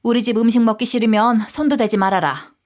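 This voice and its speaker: A woman's voice: fairly high pitch, steady tone, fast, darkish tone, close to an everyday voice. Woman doing a curt scolding old mother-in-law. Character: harsh scornful older mother-in-law.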